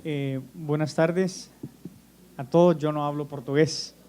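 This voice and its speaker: A man with a Honduran Spanish accent presents at an academic conference, with a smooth, clear voice pitched a little high. He speaks in a measured way, filling his pauses with "eh" and repeating a word now and then. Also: fairly even intonation, a little mellow. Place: conference hall.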